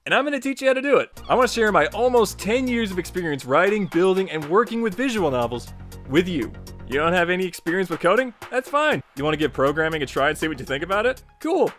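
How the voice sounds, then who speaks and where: A man's voice: high voice, sing-song, quick pace, fairly bright tone. A man hosting an online video, narrating a scripted promo in a playful, chatty, emphatic way. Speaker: YouTube host and tutorial creator. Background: music.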